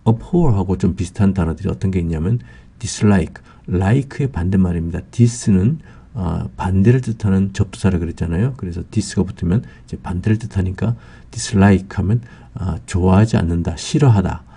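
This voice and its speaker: A man teaching English vocabulary in a slow, patient lecture, Korean his first language, pausing often with fillers. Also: deep voice, creaky, dark tone, husky.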